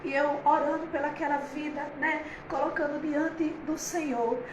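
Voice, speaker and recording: High-voiced woman preaching. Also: level tone, normal speed, roomy sound, muffled recording, noisy background. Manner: heartfelt, conversational preaching with many fillers. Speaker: pastor. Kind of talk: livestream sermon.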